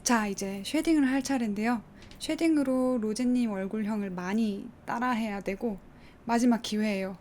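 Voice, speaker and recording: Mellow-voiced woman narrating a make-up tutorial. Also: a little high, moderate pace, a little hiss or hum. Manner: polite, explanatory, step-by-step. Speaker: beauty vlogger.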